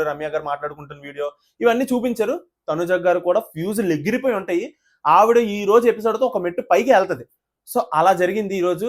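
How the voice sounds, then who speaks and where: A reality show reviewer giving casual commentary to the camera, indignant, full of rhetorical questions and direct appeals to viewers. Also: medium pitch.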